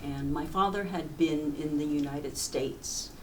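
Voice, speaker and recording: A woman in her seventies from rural southern China, a native speaker of a Chinese village dialect, reminisces about her life in a halting, reflective way for an oral history interview. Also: low voice. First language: Sayep village dialect of Chinese. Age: 70s. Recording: distant mic with faint background noise.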